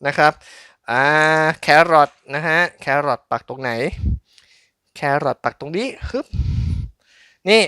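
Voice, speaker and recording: A man with a bright, forward voice, recorded close and dry. He talks casually and politely as an unboxing host, thinking aloud as his hands work through the task. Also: fairly high pitch, big pitch swings, takes it slowly, pauses often, no room sound. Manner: polite, chatty, thinking aloud while handling objects. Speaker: host of a collectible toy unboxing channel.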